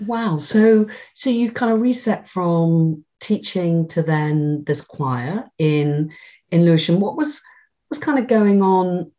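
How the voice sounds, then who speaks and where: A woman's voice: on the low side, lively intonation, slow, dark tone. A woman with an English accent, interviewing a guest in a conversational, chatty style. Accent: English, not noticeably Cornish. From Cornwall, England. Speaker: interviewer with drama school training.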